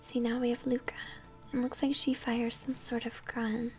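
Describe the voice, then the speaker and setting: A young woman whispers her way through a video game in a soft, breathy ASMR style. Her voice sits a little high and is gentle and chatty, close to the mic. Faint music plays behind her. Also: little pitch movement. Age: young adult. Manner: gentle, chatty, unhurried narration of play. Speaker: game streamer, host. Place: small home room, indoors.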